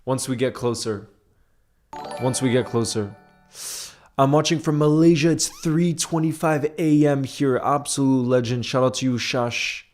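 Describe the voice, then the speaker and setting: A man's voice: mid-range voice, a little slow, a little mellow, faint music behind. A young man hosting a casual livestream, chatting and reading viewer comments aloud. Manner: conversational, often asks "you know what I mean". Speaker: livestream host.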